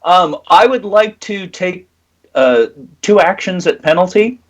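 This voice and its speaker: A man playing a tabletop roleplaying game, talking casually in hesitant, measured phrases. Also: high voice, expressive.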